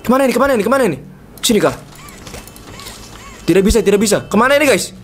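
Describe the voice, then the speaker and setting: Sex: male. Role: gaming streamer. Style: playful live commentary. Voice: fairly high, faint noise behind. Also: expressive, very fast, a bit bright. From Indonesia. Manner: playful, chatty, keeps calling to viewers. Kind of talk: casual live gameplay commentary.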